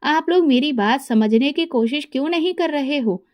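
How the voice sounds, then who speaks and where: Brief: scared young woman pleading, read by a woman narrator, high voice. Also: normal speed, darkish tone, close to an everyday voice. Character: frightened sister-in-law, pleading young woman.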